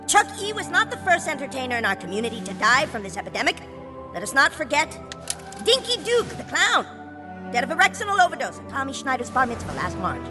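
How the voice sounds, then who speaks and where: Pompous schoolboy crusader, speechifying, high pitch, lively, a woman voicing.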